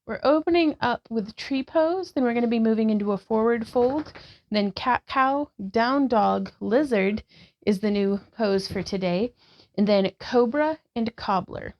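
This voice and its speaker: A woman in her thirties leading a guided yoga session as a vlogger, cueing each pose calmly and gently. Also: on the high side, unhurried. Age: 30s. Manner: calm, gentle cueing with breath prompts. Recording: slightly dull lo-fi sound.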